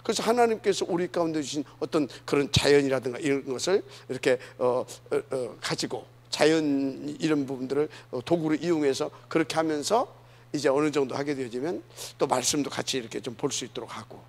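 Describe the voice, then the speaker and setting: A man preaching a sermon, often asking the congregation questions and swinging between loud emphasis and soft asides. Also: on the high side, brisk. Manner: asks the congregation questions, many fillers, dynamic swings. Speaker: pastor.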